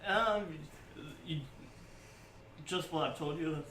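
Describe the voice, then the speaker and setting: A man's voice: fairly high pitch, bright, forceful tone. Young male DM, laid-back table narration, roomy lo-fi recording with hiss. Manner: casual, voices characters in quick asides. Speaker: dungeon master. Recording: echoey room, far from mic, noisy.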